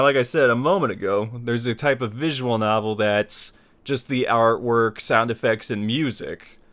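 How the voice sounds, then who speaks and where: A man's voice: medium pitch, fairly bright tone. A man hosting a tutorial in casual, conversational talk to viewers, often rephrasing his points. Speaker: host of a tutorial series on making visual novels.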